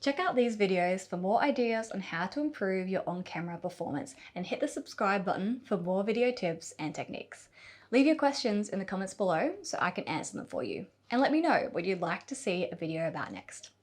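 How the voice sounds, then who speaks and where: A woman giving a scripted on-camera tutorial as a video coach, speaking expressively with deliberate pauses and emphasis. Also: mid-range voice, big pitch swings.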